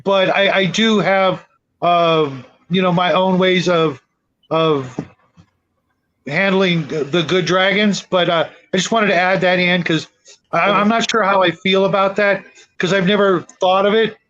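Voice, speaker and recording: A man's voice: high-pitched, steady tone, measured pace, fairly bright tone. A man hosting a casual gaming discussion, hesitant and thoughtful, over a dull lo-fi connection. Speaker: tabletop gaming talk show host.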